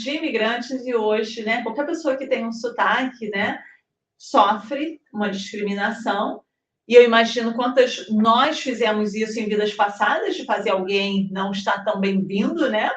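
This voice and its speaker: A woman from Brazil, giving an animated spiritist devotional talk. She often ends phrases with a questioning tag and acts out little dialogues. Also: medium pitch. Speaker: spiritist speaker. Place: hall in New Jersey. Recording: roomy, mic at a distance.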